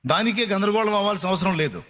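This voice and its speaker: A man's voice: high-pitched, fast, fairly bright tone. A male pastor preaching a sermon in a colloquial, repetitive style, firing rhetorical questions at his congregation.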